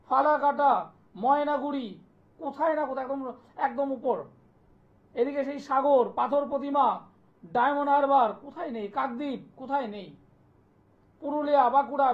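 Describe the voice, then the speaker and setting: A man, an astrologer hosting a live TV call-in show, delivering an insistent, repetitive pitch and taking callers' details. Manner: insistent, repetitive sales pitch, listing place names. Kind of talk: live TV promotional talk and phone call-in. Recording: dull lo-fi broadcast sound.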